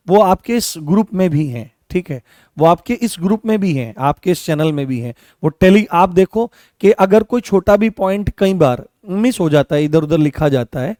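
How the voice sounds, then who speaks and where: A man teaching law in an online class, speaking to his students and slowly repeating phrases so they can write them down. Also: high-pitched, warm tone, dry recording, studio quality. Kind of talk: online class lecture with dictation.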